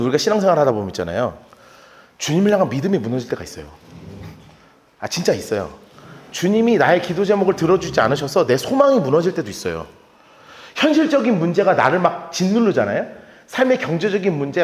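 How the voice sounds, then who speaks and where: Male pastor, animated sermon delivery, high and expressive, echoey church sanctuary. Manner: animated, lively storytelling with acted-out quotes and laughter. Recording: echoey church hall with long reverb.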